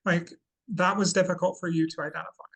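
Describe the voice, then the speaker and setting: A trans woman with a relatively deep voice interviewing in a thoughtful, measured way. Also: steady tone, vocal fry. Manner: thoughtful, measured, careful wording.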